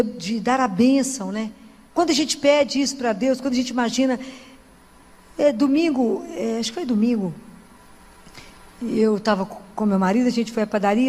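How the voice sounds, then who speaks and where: A woman preaches from a church, her voice pitched high. She tells everyday stories and checks in with her listeners as she talks. Her words ring out with a long reverb from the large space. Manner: warm storytelling with frequent "né?" asides. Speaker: Catholic lay preacher. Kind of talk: sermon to a congregation.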